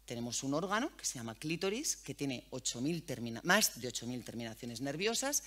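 Speaking a little fast, a woman addresses a hall audience with a lively talk, candid and slangy, swearing freely as she goes. She's a journalist and radio host, and it shows in her bright tone and energetic, leaping pitch, just like a seasoned radio presenter.

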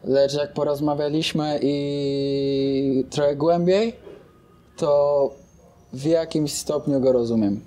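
A young man answers slowly and carefully, choosing diplomatic words. His voice is mellow and dark, with an unhurried, measured delivery in a quiet lounge. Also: a little high, fairly even intonation. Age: young adult. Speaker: footballer guest. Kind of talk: casual interview answers. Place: lounge in a large building.

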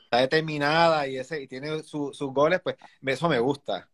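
A man in his forties talking casually into his phone camera from a bedroom. His voice sits a little high for a man, and he pauses to think, filling gaps with soft fillers. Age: 40s. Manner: relaxed, thoughtful, many fillers. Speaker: guest. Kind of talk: casual chat on a live video call. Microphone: phone camera on a video call.

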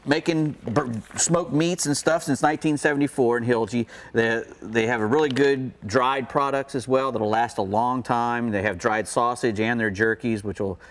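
A middle-aged man with a halting, folksy way of talking, presenting products casually as co-host of a fishing show. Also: mid-range voice. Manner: halting, folksy, repeats himself. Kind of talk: unscripted product showcase chat. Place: indoor TV studio set.

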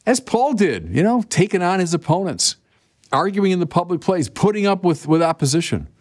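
An older man in his sixties delivers a sermon in a lively, chatty way. His pitch rises and falls freely as he speaks straight to the listeners. A close lapel mic in a quiet indoor studio picks him up. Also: moderate pace. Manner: animated, conversational preaching with direct appeals. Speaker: bishop.

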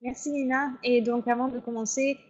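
Higher-voiced woman hosting a webinar. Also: steady tone, normal speed. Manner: procedural, with frequent fillers. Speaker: webinar facilitator. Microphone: video call. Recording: lo-fi webinar audio.

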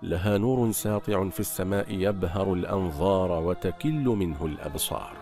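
A man narrating a religious story in a scripted, measured, solemn way. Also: deep voice. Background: soft background music.

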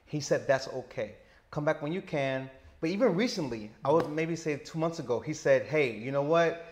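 A man in his thirties with a stutter, talking slowly and deliberately as an interview guest on a lapel mic indoors. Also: a little high, lively intonation. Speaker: interview guest, teacher living abroad. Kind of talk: casual interview. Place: indoor lounge with sofa.

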